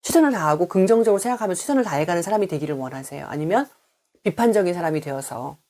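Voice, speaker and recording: Woman teacher explaining parenting stuff, pitch jumps around a lot, soft mellow tone, voices little questions to kids. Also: very fast. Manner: animated, acts out sample questions to children. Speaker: childcare educator. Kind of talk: parent and teacher education talk.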